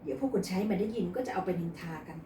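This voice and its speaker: A woman's voice: on the high side, animated, moderate pace, dark tone, slight background noise, close to an everyday voice. A woman voicing a stern, bossy wealthy matriarch in a read-aloud novel, recorded in an echoey room from a distance. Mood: hushed. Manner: scolding, bossy.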